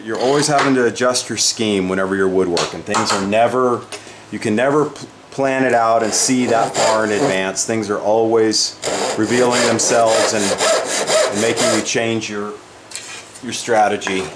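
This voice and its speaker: An older man, a woodworking instructor, gives a casual demonstration in his shop, thinking aloud as he works and often restarting his sentences. His voice is fairly low and sing-song at a normal speed, and the recording is very noisy.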